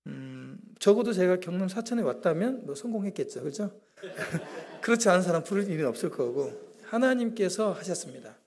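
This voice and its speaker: A man's voice: sits high, very animated, moderate pace. A middle-aged man preaching a testimony in a church, telling his story with humor and self-deprecation. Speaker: guest preacher. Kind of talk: sermon testimony.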